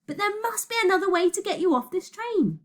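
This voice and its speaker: A bossy young immortal girl, played by a woman narrator, shrill and exasperated. The voice is high, insistent and very animated, as in a children's adventure storybook. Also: fairly quick. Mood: exasperated, urgent.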